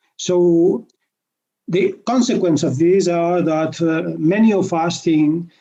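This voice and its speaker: A man with a Spanish accent speaks in a high pitch with a dark, mellow tone and ordinary pitch variation. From Catalonia, Spain (Lleida). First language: Spanish or Catalan. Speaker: academic researcher, panel convener. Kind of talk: conference panel presentation. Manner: halting, with many false starts.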